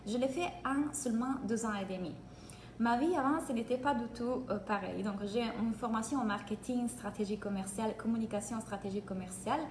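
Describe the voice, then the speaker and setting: Italian-accented woman coach, high bright voice. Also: a little fast, a little hiss or hum. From Italy. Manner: energetic, greets viewers by name mid-talk. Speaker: business coach. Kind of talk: live-streamed free training. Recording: echoey room, faint ambience.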